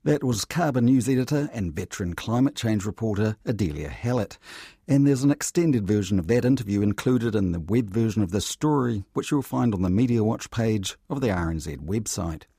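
A man presenting a radio media show, reading a measured scripted narration into a studio microphone. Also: on the low side, animated, creaky, warm tone, husky, no echo.

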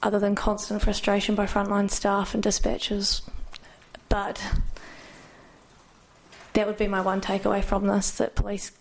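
Gravelly flat-voiced New woman. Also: medium pitch, moderate pace, pauses often, a little hiss or hum. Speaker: police dispatcher giving evidence. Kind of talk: courtroom testimony.

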